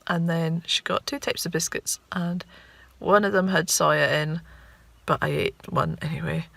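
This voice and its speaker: A woman's voice: sits low, fairly even intonation, normal speed, gravelly, fairly bright tone, no room sound. A woman with a Shetland Scots accent chatting casually to a vlog in a wry, understated, rambling way. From Shetland, Scotland. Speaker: vlogger.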